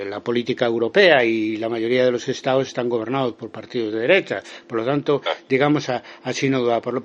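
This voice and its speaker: A man with an accent from Spain giving spontaneous political commentary in an interview, haltingly, often repeating words and restarting. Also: mid-range voice, muffled recording. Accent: Spanish from Spain. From Galicia, Spain.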